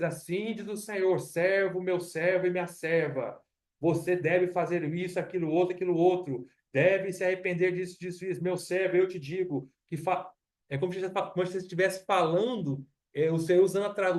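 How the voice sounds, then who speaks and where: A man's voice: a little high, recorded from a distance. A man with a Brazilian accent preaching a Bible study in church, teaching conversationally, asking rhetorical questions and repeating himself. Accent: Brazilian Portuguese. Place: church hall.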